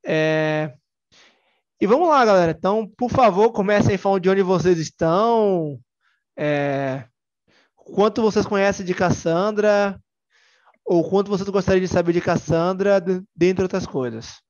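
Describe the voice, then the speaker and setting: A man's voice: high voice, a little slow, lo-fi sound. A young man with a Bahian Brazilian accent, giving a casual, joking technical conference talk full of fillers and restarts. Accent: Bahian Brazilian Portuguese. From Salvador, Bahia, Brazil. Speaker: tech conference speaker.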